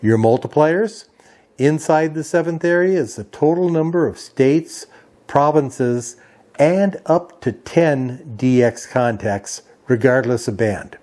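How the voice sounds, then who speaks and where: A man's voice: medium pitch, slow, warm tone. A man hosting a hobby radio video, giving an informational briefing in a methodical, itemizing way. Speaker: host of a ham radio video channel.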